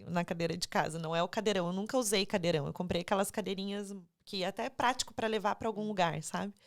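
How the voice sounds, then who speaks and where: A Brazilian woman hosting a podcast chat, lively and talkative, and she keeps tagging her sentences with "né" and "sabe". Her voice sits in an ordinary middle pitch. The sound is close and dry, with no room echo. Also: quick pace. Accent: Brazilian Portuguese. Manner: chatty, animated, tags sentences with "né" and "sabe". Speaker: podcast host; mother of a young daughter. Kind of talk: casual conversational interview.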